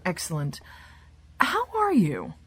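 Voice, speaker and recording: An actress playing a courteous, gently probing professional woman in a naturalistic audio drama. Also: lowish voice, huge pitch swings, slow pace, a little hiss or hum, heavily acted.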